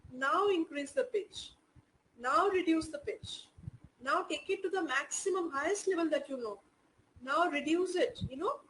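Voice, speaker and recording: A woman's voice: sits high, a bit bright, slight background noise, rough recording. A woman teaching an online class in Indian English, explaining patiently with many "you know" fillers.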